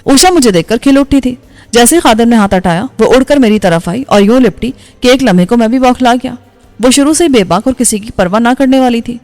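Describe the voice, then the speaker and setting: A woman's voice: on the high side, animated, a little mellow. Woman reading a novel over faint music. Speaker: storyteller. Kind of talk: scripted novel narration. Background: faint background music.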